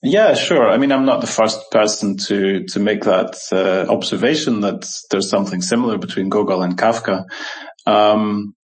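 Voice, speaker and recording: Thoughtful low-voiced Scottish-born man. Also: moderate pace. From Scotland. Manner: thoughtful, many fillers and restarts. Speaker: scholar and translator, interview guest. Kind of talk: reflective interview conversation.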